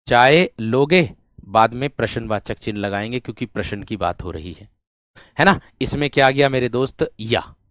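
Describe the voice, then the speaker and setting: A man's voice: mid-range voice, no room sound, clean studio sound. A male teacher with a North Indian Hindi accent giving an exam-prep grammar lesson, repeating each point and checking whether students have understood. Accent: Hindi-speaking North Indian. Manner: calls students friend and brave one.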